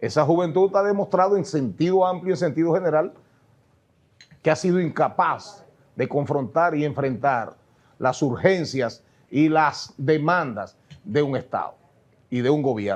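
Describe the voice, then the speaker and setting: With lively intonation, a man talks at a fairly slow pace, leaving long, frequent pauses. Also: fairly high pitch for a man. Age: 60s. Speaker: politician. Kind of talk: interview.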